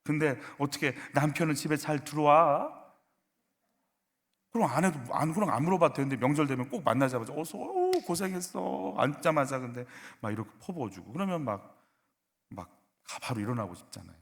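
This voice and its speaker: A male pastor preaching a sermon, questioning the congregation and acting out short skits in a softer, lower voice. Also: expressive, a little fast, big-room sound. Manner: acts out short skits, softening into a low hushed voice for quoted lines; asks the congregation questions, leads a call-and-response exercise. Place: church sanctuary.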